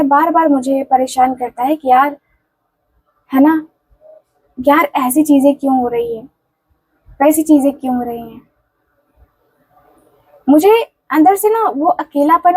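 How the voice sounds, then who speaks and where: A woman with a high voice speaks as a tarot reader, relaying a love message in the first person. She talks in an earnest, pleading way, circling back over the same phrases with casual fillers. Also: a little mellow, low-quality recording. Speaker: tarot and candle wax reader.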